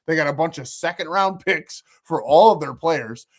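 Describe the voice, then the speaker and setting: A man's voice: fairly high pitch, normal speed. Sick-sounding man hosting betting picks. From New York. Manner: rambling, confident, self-correcting. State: sick, losing his voice. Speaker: sports betting channel host. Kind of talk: casual betting picks talk.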